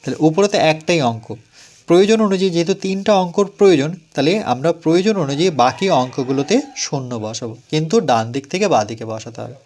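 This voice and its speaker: A male math teacher with a West Bengal Bengali accent walks through a lesson slowly, counting steps aloud and asking himself questions before he answers them. His voice sits a little high for a man. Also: expressive, darkish tone, a little hiss or hum. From West Bengal, India. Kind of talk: step-by-step classroom explanation.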